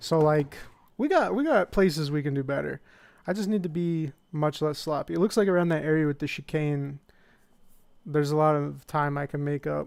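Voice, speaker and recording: A plain, everyday voice from a man, fairly high in pitch for a man, with ordinary pitch variation, a fairly quick pace, and a very clean recording over a silent background. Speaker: sim racing streamer. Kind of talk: live gameplay commentary. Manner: casual, filler-heavy.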